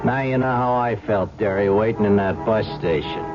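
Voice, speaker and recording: An actor playing a resentful, talkative small-time hood in an old radio crime drama, slangy and grumbling. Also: male voice, lowish voice, normal speed, over music, lightly acted. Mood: sly, callous. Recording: muffled, noisy old radio drama recording.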